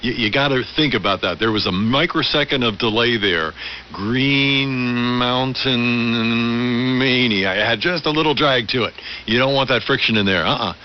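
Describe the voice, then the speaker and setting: A man's voice: medium pitch, normal speed. A man chatting casually as an amateur radio operator over AM, friendly, encouraging and a little playful. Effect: AM radio transmission. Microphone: radio microphone heard over receiver. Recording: muffled AM radio reception with faint hiss.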